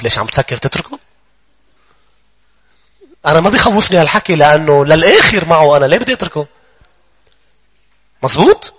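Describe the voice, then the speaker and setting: Fast, urgent Lebanese preacher. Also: male voice, fairly high pitch, pushed and bright, breathy edge. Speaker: pastor. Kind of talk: sermon.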